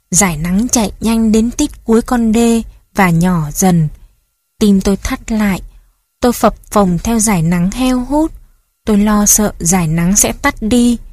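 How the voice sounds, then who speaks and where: Woman reading a memory story, soft mellow tone, dry close sound. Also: medium pitch, no room sound. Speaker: narrator. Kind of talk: scripted narration of a memoir story.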